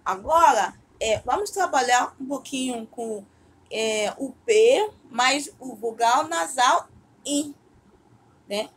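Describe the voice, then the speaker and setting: A woman teaching her language, speaking deliberately, repeating syllables and pausing often to search for words. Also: high voice, expressive, a little hiss or hum, rough recording. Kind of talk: language lesson, slow careful explanation.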